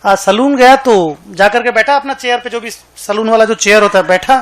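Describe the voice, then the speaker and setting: Bright-voiced joking accountancy teacher. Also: male voice, high-pitched, moderate pace. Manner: chatty, joking, dictating notes. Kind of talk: classroom lecture with storytelling.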